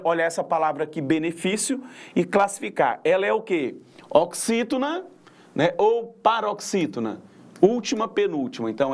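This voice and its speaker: A man with a Brazilian accent teaching a lesson on word stress, patiently counting syllables aloud and checking in with his students as he goes. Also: fairly high pitch. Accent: Brazilian Portuguese.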